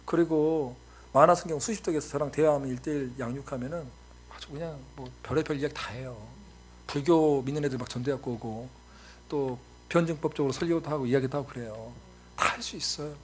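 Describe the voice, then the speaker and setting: A man in his forties, a missionary preacher giving a sermon, telling stories with lively acted-out voices. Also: a little high, a little fast, slight background noise. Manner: animated storytelling, acts out voices.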